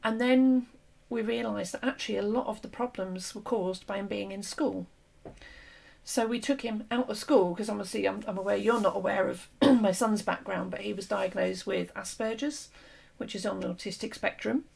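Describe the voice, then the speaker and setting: Host: woman, gravelly, slightly hoarse, earnest explainer, conversational interview. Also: medium pitch, normal speed, a little mellow, poor audio. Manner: earnest, explanatory, with frequent fillers and restarts. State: losing her voice. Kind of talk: conversational discussion.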